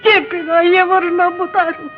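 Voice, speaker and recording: A woman's voice: very high-pitched, animated, moderate pace. An actress playing a grieving mother who pleads tearfully with her son, in an old film melodrama. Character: grieving mother hiding her son's parentage. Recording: dull old film soundtrack with music.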